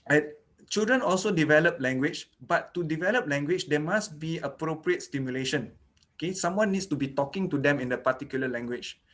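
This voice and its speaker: A man's voice: fairly high pitch, fairly bright tone. A man whose first language is Malay, giving an online lecture on child dental care, explaining step by step with frequent "okay" and "you know". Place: indoors, online lecture recording.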